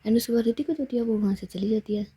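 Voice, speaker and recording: A woman telling a love story in a hushed, half-whispered storytelling voice. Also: fairly high pitch, fast talker, husky, no echo. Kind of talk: soft-spoken storytelling.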